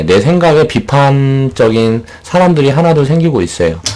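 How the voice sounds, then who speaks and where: Noticeable background noise sits behind a man speaking at a moderate pace. His pitch is medium and swings very widely. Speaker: stock investing YouTuber. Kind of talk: unscripted monologue. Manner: improvised, off the cuff.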